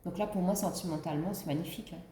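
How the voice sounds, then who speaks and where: A woman's voice: fairly low pitch, rapid-fire, warm tone, echoey room. A woman with the flu giving a casual spiritual card reading, rambling with many fillers and restarts. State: has the flu. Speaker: card reader.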